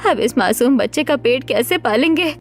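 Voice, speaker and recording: Woman doing a gruff poor mother-in-law. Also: high-pitched, expressive, normal speed, faint music behind. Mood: despairing. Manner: scolding, blunt. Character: poor older mother-in-law, stern but caring. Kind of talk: cartoon story voice acting.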